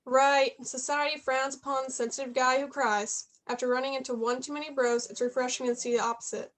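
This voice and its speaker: A woman's voice: high-pitched, steady tone, fairly quick, fairly bright tone. A woman playing a playful, persistent eighteen-year-old journalism student in a play reading, chatty and probing. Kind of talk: staged reading of a play, naturalistic dialogue.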